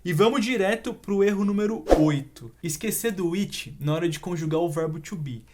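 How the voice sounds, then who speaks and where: A young Brazilian man with a Brazilian Portuguese accent, giving an online English lesson and slowing down for the English examples. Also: high-pitched, very noisy. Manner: animated explaining, slows down for English examples. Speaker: English teacher.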